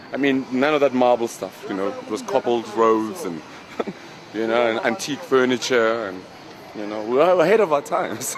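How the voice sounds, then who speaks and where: Casual man, mid-pitched. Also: noisy background. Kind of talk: casual chat, reminiscing.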